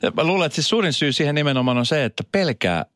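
A man hosting a casual morning radio chat, musing aloud in a halting way with many fillers. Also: fairly high pitch, animated, fairly bright tone, no room sound, studio quality. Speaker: radio host. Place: radio studio.

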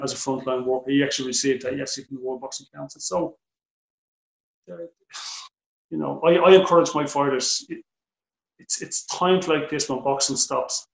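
A middle-aged man with an Irish accent, a boxing coach answering interview questions, animated and restarting his sentences often. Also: medium pitch, gravelly, roomy sound, low-quality recording. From Ireland. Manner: animated, repeats words when starting sentences.

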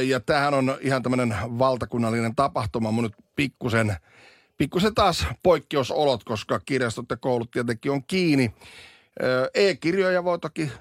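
A man's voice: mid-range voice, no echo, studio quality. A man co-hosting a casual morning radio chat, telling stories in a chatty way. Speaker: radio co-host.

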